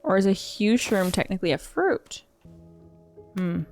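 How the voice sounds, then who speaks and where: A woman's voice: medium pitch, lively intonation, unhurried, a little mellow. A woman streamer narrating a cozy game as she plays, chatty, giggly and talking to herself. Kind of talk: cozy game let's play commentary. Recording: faint background music.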